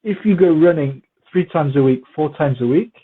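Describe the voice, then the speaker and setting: Husky-voiced man teaching casually. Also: on the high side, normal speed. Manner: relaxed, repetitive for emphasis, mixes in Turkish words. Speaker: English teacher interviewed as guest. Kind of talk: casual conversational Q&A. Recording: muffled phone-like audio.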